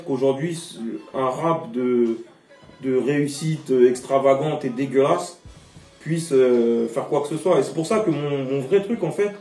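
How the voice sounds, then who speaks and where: A man's voice: mid-range voice, warm tone. A man from French Guiana, a rapper giving an interview, speaking passionately and emphatically with outspoken opinions. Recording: roomy echo, distant mic, faint music.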